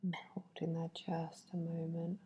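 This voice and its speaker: A woman whispers a bedtime ASMR massage in a soft, dark, breathy voice. She speaks very slowly and soothingly, keeping her delivery even and hushed as she guides each step. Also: deep voice, muffled recording, a little hiss or hum. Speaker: facial massage therapist.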